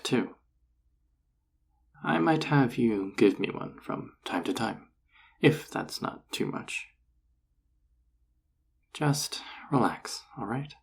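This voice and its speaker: Guy acting as flirty enchanter boss in a roleplay audio, raspy n slow, encouraging, teases a bit. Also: on the low side, full character voice. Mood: flirty, soothing. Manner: teasing, reassuring, unhurried. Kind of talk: roleplay audio drama, intimate second-person acting.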